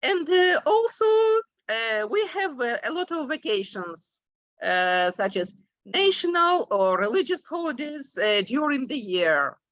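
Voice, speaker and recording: Woman, 40s, Russian-native English speaker presenting; slow and halting, lively intonation, dry sound. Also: sits high, no room sound, muffled recording. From Ukraine. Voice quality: frequent hesitations, many drawn-out "uh"s. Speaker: symposium presenter, English teacher. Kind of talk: conference presentation.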